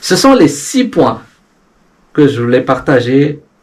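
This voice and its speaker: Very wide pitch swings and vocal fry mark this man's medium-pitched voice, delivered at a very slow pace. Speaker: entrepreneur and advice video host. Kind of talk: motivational advice talk.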